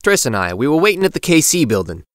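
Man acting slangy, haunted young guy, animated pitch. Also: faint music behind. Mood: subdued, recounting. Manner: colloquial, halting, informal. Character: Joey, haunted young man recounting events, slangy, restless. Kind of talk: audio drama acting.

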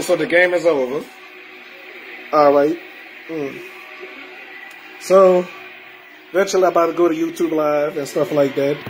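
A man hosting a casual home livestream, rambling with many repeats and soft trailing endings. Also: a little high. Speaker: livestream host. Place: home, indoors.

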